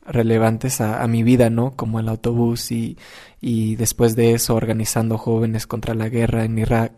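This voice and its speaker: A man's voice: medium pitch, dark tone. A young man, a community organizer, telling his story with many restarts and fillers. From United States. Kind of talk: personal storytelling.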